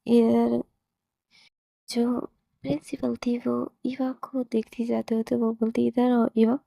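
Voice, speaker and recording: A woman telling a romance story in a relaxed, casual way, moving between narration and the characters' lines, with loose fillers. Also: on the high side, slow, gravelly, no echo, clean studio sound. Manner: narrates plainly, slips into quoted dialogue, loose fillers.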